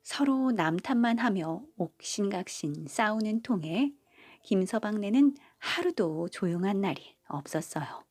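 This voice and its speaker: A woman reading a bedtime folk tale in a gentle, motherly storytelling manner. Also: medium pitch, animated, unhurried, slightly rough, no room sound. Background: faint background music.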